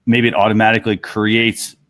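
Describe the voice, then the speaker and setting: A man's voice: lowish voice, little pitch movement, brisk, a bit bright. A man hosting a talk show, casually explaining tools and tips to his audience and fellow panelists.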